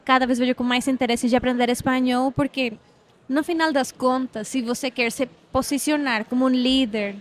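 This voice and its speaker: Mulher de voz aguda com sotaque latino-americano de fala espanhola. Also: female voice, high voice, fairly even intonation, normal speed. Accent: Spanish-speaking Latin American. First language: Spanish. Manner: hesitant, many fillers, mixes in Spanish grammar. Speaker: guest, developer relations lead. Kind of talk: casual interview chat. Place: event podcast set.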